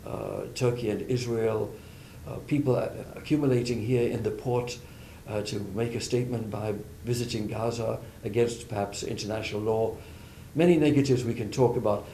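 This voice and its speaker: A man's voice: lowish voice, warm tone, slight background noise. A man hosting a TV interview show, asking questions in a formal, polite way, addressing his guest as sir.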